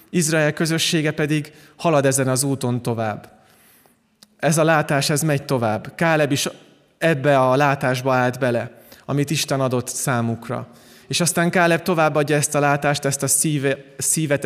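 Man preaching in a reverberant hall. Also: a little high. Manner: calm, earnest preaching with frequent restarts. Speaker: pastor. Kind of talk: sermon.

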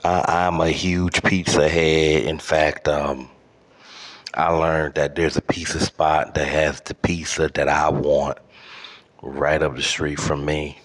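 A man's voice: rumbling low, flat delivery, takes it slowly. A man hosting a podcast, delivering a profane, exasperated comedic rant with stammered repeats. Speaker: podcast host.

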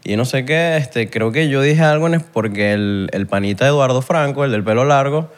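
A Venezuelan man, a guest actor, telling stories in a casual podcast chat, relaxed and full of slang. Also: mid-range voice, moderate pace. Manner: laid-back storyteller full of slang.

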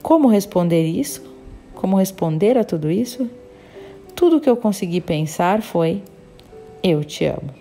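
A woman reading a book aloud at a steady, deliberate pace. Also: mid-range voice, faint music behind. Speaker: reader.

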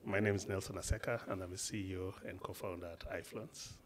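A man who is a startup founder, telling his story in an interview in a relaxed way with frequent laughter. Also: low voice, fast talker. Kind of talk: podcast interview answers.

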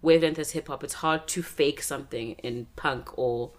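A woman co-hosting a casual music chat, expressive and quick to chime in. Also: deep voice.

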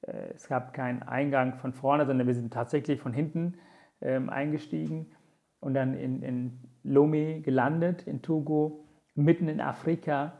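A man's voice: mid-range voice, fairly even intonation, normal speed, gravelly, lo-fi sound. A man in his forties from Sri Lanka, a native Tamil speaker, telling his story as an interview guest in an earnest, reflective way with many hesitant fillers. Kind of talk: conversational storytelling.

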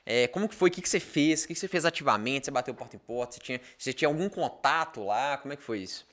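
A man hosting a casual podcast interview, firing off quick follow-up questions. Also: medium pitch, expressive, fairly bright tone. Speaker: podcast host.

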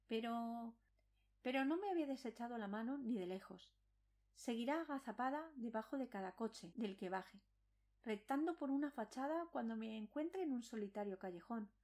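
A woman's voice: on the high side, darkish tone. A woman reading a scripted first-person supernatural horror story as a dramatic narration.

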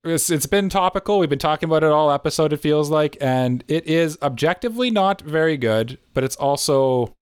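Casting: young male podcast co-host, bouncy and expressive, laughs easily, slightly high voice. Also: clear, resonant tone, no echo, studio quality. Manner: animated, quick to laugh. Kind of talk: casual podcast chat.

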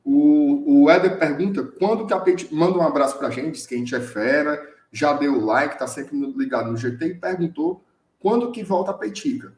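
A man's voice: fairly high pitch, fairly quick, darkish tone. Chatty Cearense man on a roomy live stream. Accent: Northeastern Brazilian, Ceará. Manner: chatty, jokey, greets viewers by name. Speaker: live show co-host and teacher. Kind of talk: casual live-stream chat, reading viewer comments.

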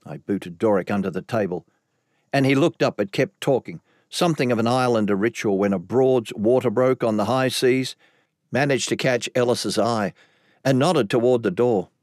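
A man narrates an audiobook in the first person with an even, steady delivery. His voice sits at a middle pitch. The recording is close and very dry. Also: normal speed, no echo.

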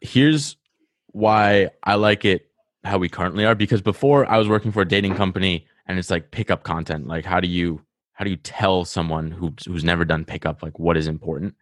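A man's voice: deep voice, brisk, no echo, clean studio sound. A man with a Rhode Island accent, talking eagerly and at length on a podcast, often restarting his sentences. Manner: talkative, enthusiastic, self-interrupting. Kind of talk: casual podcast chat.

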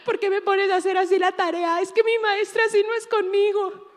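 A woman voicing a complaining teenage daughter in a high, whining tone, in an echoing hall. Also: flat delivery, a little fast. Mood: whiny.

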